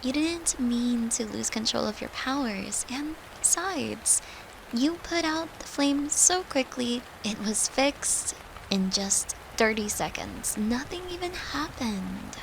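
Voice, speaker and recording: High-pitched, tender, worried girlfriend, played by a woman. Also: lively intonation, takes it slowly, creaky, background noise, exaggerated voice. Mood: gentle, reassuring. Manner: soft, coaxing, hesitant, sometimes whispery. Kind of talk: intimate audio roleplay addressed to the listener.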